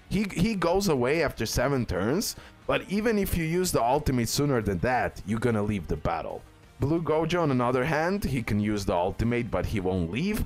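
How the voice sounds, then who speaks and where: A man's voice: mid-range voice, a little mellow. A man giving casual, hyped commentary on a game tier list, in an informal way full of emphatic superlatives. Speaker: gaming YouTuber. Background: background music.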